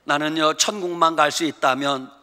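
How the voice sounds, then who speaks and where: A man's voice: a little high, fairly even intonation, normal speed, sharp tone. A man preaching a sermon as pastor, emphatic, asking rhetorical questions and telling stories. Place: church sanctuary. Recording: long church hall reverb.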